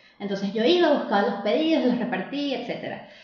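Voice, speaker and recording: Against noticeable background noise and audible room echo, a woman talks at a moderate pace with a fairly high pitch and lively intonation. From Venezuela. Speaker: bakery entrepreneur. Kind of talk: casual interview.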